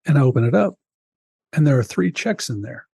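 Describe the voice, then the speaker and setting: Husky-voiced man telling his story earnestly. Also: medium pitch, expressive, a little fast, darkish tone, no echo, clean studio sound. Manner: earnest, reflective, addresses host by name. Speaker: podcast guest, author. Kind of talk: personal storytelling in an interview.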